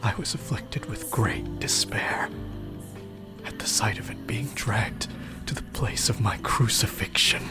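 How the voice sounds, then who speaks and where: A man playing an anguished, weary dead man in an audio drama, speaking gravely and breathily in an archaic, dramatic style. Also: on the low side, a little slow, whispered, natural voice. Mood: despairing. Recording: loud music under the voice.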